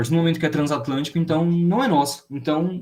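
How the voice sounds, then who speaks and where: This is a man's voice. His pitch sits fairly high. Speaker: study group presenter. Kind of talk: seminar presentation. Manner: fast; halting.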